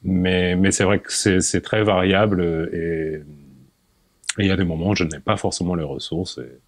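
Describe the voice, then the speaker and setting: A man in his forties, a podcast guest, talking in a relaxed, hesitant way, often repeating words and laughing. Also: sits low, normal speed, dry recording, clean studio sound. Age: 40s. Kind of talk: casual interview.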